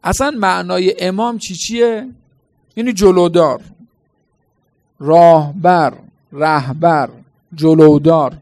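High, gravelly-voiced male preacher. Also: fairly even intonation, pauses often, a little mellow. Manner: emphatic, rhetorical questions, chanted quotations. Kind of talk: religious sermon at a mourning gathering.

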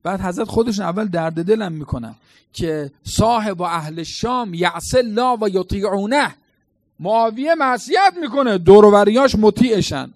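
A man's voice: high-pitched, a little mellow, dry recording. A man preaching a colloquial sermon, telling stories dramatically and quizzing the congregation with questions.

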